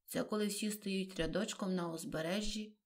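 A woman voicing a boisterous, excitable male griffin from a storybook, who keeps interrupting and shouting. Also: mid-range voice, normal speed, natural voice.

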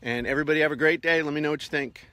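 Filming himself on a phone held at arm's length in a rural backyard by some sheds, a man in his fifties talks to camera while doing chores, offering blunt, plain-spoken online marketing advice in a casual vlog. His voice is fairly high and sharp, with fairly even intonation and a rapid-fire delivery. There's no echo.

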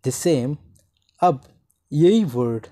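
A man teaching as a voice-over on slides, reading English lines slowly and then explaining them more quickly in Hindi-Urdu. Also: a little high, expressive, warm tone.

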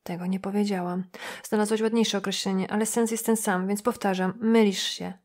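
A woman voicing a firm, no-nonsense woman who speaks quietly and bluntly. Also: medium pitch, fairly even intonation, a little fast, natural voice.

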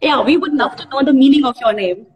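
A woman's voice: high-pitched, fast, highs cut off, crowd noise. A woman hosting an interview over a video call, asking questions with hesitant "uh" fillers. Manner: brief affirmations, hesitant "uh" fillers. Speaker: interview host. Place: indoors.

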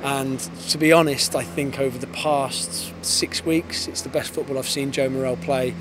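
A man in his thirties, an English football head coach, giving a post-match interview outdoors on a floodlit pitch at night, fast and thoughtful with many restarts. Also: fairly even intonation. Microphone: handheld interviewer mic. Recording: outdoor with clear background noise.

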